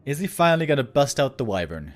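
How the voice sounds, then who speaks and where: A man giving live esports commentary on a strategy game match, casual and conversational, swinging between musing and excited exclamations. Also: medium pitch, fast, faint music behind. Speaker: esports caster.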